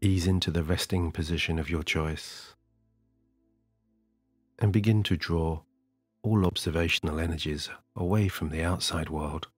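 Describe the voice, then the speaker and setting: Deep husky man guiding sleep hypnosis. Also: no echo. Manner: soft, slow and soothing, with long pauses. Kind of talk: slow guided sleep hypnosis. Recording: dry close studio voice over soft music.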